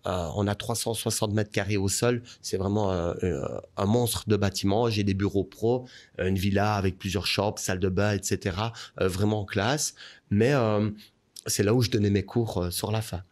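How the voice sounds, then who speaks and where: A man, a guest telling a personal story in an interview, his voice rising as the story builds. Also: normal speed. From Belgium. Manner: animated storyteller, rising pitch as the story heats up.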